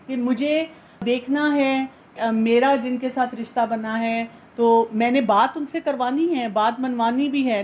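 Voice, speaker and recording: A woman's voice: on the high side, darkish tone, slight background noise. A woman counselor giving earnest advice in a talk. She explains by asking and answering her own questions and mixes in English phrases. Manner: earnest and instructive. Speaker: family counselor.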